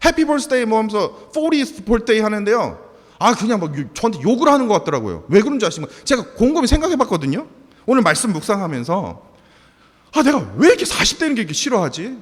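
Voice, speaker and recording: A man's voice: sits high, sing-song, fast talker. A man in his forties, a pastor, preaching a sermon and putting emphatic rhetorical questions to his congregation. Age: 40s. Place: church sanctuary. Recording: long hall reverb.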